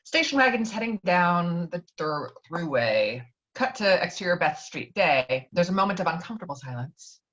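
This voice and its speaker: A woman's voice: fairly low pitch, big pitch swings, normal speed, a bit bright. A woman narrating stage directions from a screenplay at a virtual table read, recorded over an online call. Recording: dull lo-fi online call audio.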